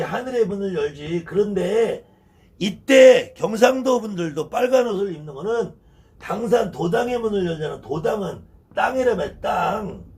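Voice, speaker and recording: Man in his fifties, shaman teacher, high voice with lively swings, emphatic, repeats key words. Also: vocal fry. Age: 50s. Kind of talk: lecture on shamanic ritual.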